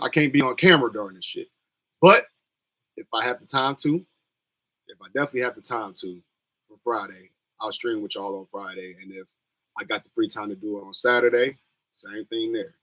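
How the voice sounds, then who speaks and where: A man's voice: fairly low pitch, a bit bright. Man with a scratchy voice, rambling. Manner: loose, slangy, rambling talk. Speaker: streamer hosting a wrestling watch-along. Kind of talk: casual livestream chat.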